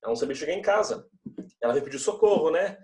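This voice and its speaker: This young man teaches religious education in a relaxed, conversational style, often ending remarks with tag questions as he addresses the class. He talks fast and animatedly in a slightly high, mellow voice, recorded from afar in a reverberant room.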